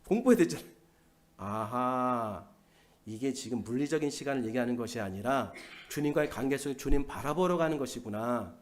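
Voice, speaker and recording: A middle-aged man preaching a sermon in a church, asking the congregation questions and answering them himself, with loud bursts and quiet asides. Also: mid-range voice, normal speed, slight background noise. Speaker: pastor. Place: church sanctuary.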